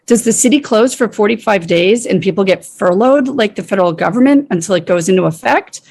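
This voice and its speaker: A woman's voice: mid-range voice, gravelly, a little mellow. Scratchy-voiced woman, city staffer. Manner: concerned, defensive. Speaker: municipal staff member. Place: council meeting.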